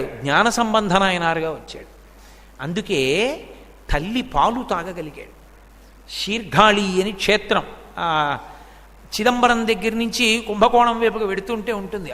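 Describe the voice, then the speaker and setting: Man with a bright, high storytelling voice. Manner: animated storyteller voicing characters' dialogue. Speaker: spiritual discourse speaker. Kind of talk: Telugu religious storytelling discourse. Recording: long hall reverb.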